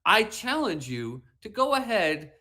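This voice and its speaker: A man's voice: sits high, very animated, a little slow, pushed and bright. Emphatic man ranting about football. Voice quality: whiny, slightly mushy voice. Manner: emphatic, lecturing, repeats lines for effect. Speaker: podcast co-host. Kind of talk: animated sports talk rant.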